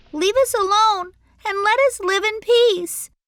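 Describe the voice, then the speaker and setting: Putting on a squeaky character voice, a woman talks at an extremely high pitch with ordinary pitch variation and a fairly slow pace. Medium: read story. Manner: warm, motherly.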